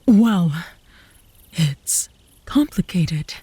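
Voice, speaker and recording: A woman's voice: on the low side, lively intonation, very slow, dark tone, slightly rough, dry recording, heavily acted. A woman playing a smug, teasing, romantically obsessed werewolf in a comedic ASMR roleplay, with a sly, seductive manner. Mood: indignant.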